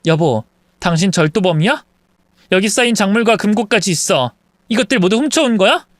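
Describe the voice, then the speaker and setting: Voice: mid-range voice, animated, fairly quick, no echo, studio quality, lightly acted. A reader voicing an angry young wife who accuses her husband's family of theft, in an indignant tone. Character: angry young wife confronting thieving in-laws.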